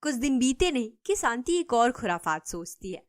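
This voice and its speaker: Woman narrating a storybook, fairly high voice. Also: normal speed. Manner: steady storybook telling. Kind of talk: scripted narration.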